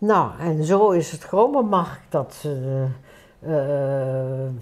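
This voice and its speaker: A woman speaks at a very slow pace in a very deep, low voice with lively intonation. Noticeable background noise runs under her. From Netherlands, Gennep (north Limburg). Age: 90s. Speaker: war eyewitness. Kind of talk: interview. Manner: halting.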